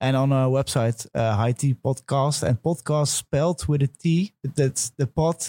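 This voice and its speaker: A man with a Dutch accent speaks in a dark, mellow tone at a fairly high pitch, with hardly any pauses. The sound is dry and close with no echo, and his loudness stays very even. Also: ordinary pitch variation, fairly slow pace. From Netherlands. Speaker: podcast co-host, cannabis industry worker. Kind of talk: casual chat. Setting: Airbnb in Amsterdam. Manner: halting.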